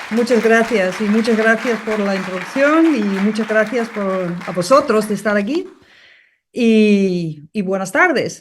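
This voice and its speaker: A woman with a Danish accent speaks at a fairly slow pace. Her voice is somewhat breathy, with lively intonation. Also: fairly high pitch for a woman, very clean recording, silent background. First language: Danish (speaking Spanish). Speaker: mathematics professor. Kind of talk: lecture. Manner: halting, searching for words.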